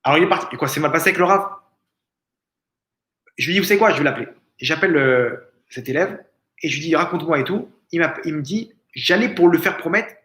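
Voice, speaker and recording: A man's voice: on the high side, expressive, quick pace, a bit bright, echoey room. A rabbi giving a lesson in a family home, telling a story and acting out the people he quotes. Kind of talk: Torah lesson told as a story.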